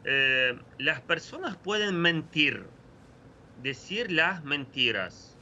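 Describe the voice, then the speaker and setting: A Ukrainian parish priest in his forties speaking Spanish as a second language with a Ukrainian accent, answering slowly with many pauses and fillers over a video call. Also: fairly high pitch, sing-song, pushed and bright, muffled recording, a little hiss or hum. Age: 40s. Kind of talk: remote interview answers.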